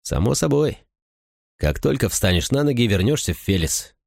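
A man voicing a calm, confident male crew leader in an audiobook, speaking quietly and reassuringly. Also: medium pitch, moderate pace, vocal fry, no echo, clean studio sound, voice pushed up. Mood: assured.

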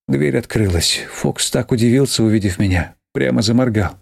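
A man narrating an audiobook in a steady storytelling manner. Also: medium pitch, normal speed, creaky, breathy edge, no room sound, clean studio sound. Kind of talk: scripted narration.

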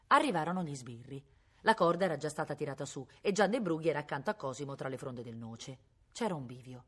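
A woman reading a novel aloud at a public library in an expressive, dramatic storytelling manner. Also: low-pitched, fast, husky. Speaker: reader.

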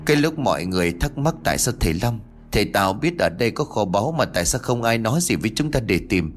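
Man voicing a calm, reasoning young woman. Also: lowish voice, quick pace. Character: sensible young woman, family member.

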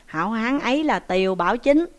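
A woman's voice: fairly high pitch, expressive, fairly quick, natural voice. A woman voicing a male traveler caught as a thief, who talks in an urgent, pleading way. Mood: earnest.

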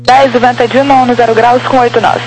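A woman working as an airport tower controller, giving brisk, terse procedural instructions over a walkie-talkie style radio. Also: on the high side, flat delivery, a little mellow, soft background music, poor audio.

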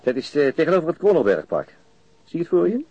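Hese, levendige, methodische hoofdinspecteur. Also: male voice, on the high side, wildly swooping pitch, fast talker, warm tone, husky, no room sound, full character voice. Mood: absorbed, explaining. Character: dogged, methodical middle-aged male police chief inspector. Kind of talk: Dutch radio play dialogue. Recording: muffled, dull radio drama recording.

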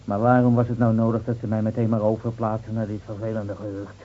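An actor playing a hot-tempered, sarcastic village gendarme who complains in a radio play. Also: male voice, on the low side, monotone, fast, a little hiss or hum, lightly acted. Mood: irritated, grumbling. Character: grumbling, hot-tempered village gendarme, sour about his transfer. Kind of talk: Dutch radio play acting. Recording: dull, muffled old radio recording.

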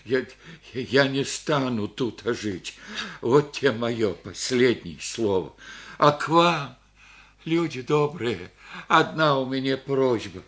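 A man's voice: mid-range voice, lively intonation, a bit bright. An actor playing a humble, pleading old village father who speaks a rustic Russian village dialect in a radio play. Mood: resigned. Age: older. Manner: rustic old-fashioned village speech, halting. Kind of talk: Soviet radio play acting.

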